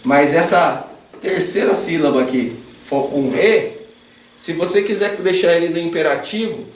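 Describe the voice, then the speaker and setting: A man's voice: a little high, unhurried. Brazilian man teaching, echoey far-off sound. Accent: Brazilian Portuguese. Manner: patient and chatty, asks the class questions and tags sentences with a questioning "né?"; corrects himself mid-sentence while writing on the board. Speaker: Japanese teacher. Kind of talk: explaining grammar in an informal online class. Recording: echoey room, voice away from the mic, faint background hum.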